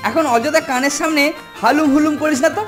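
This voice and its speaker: A woman's voice: high-pitched, fast talker, faint music behind, close to an everyday voice. A woman voicing a sly, bullying older schoolboy in a children's cartoon, with a cocky manner. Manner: cocky, smug, wheedling to elders.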